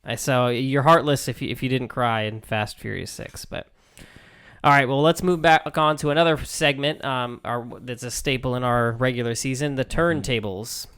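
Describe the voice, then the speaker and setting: A man's voice: medium pitch, steady tone, normal speed, a bit bright, smooth. A man co-hosting a sports podcast, upbeat and steering the talk from one segment to the next. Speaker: podcast co-host. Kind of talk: casual sports chat.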